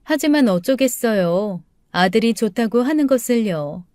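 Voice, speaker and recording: A woman narrating a first-person story in a calm, steady reading voice. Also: fairly high pitch, moderate pace, no echo, studio quality.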